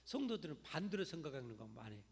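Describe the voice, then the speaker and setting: Male pastor, high lively delivery, gravelly edge, reverberant sanctuary. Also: quick pace. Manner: animated preaching, often addressing the congregation directly. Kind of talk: sermon. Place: church sanctuary. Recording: echoey church hall.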